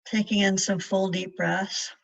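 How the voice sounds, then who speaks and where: A woman leading a guided meditation in a measured way, leaving long pauses between short phrases. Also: medium pitch, level tone, creaky. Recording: distant mic, dull muffled sound.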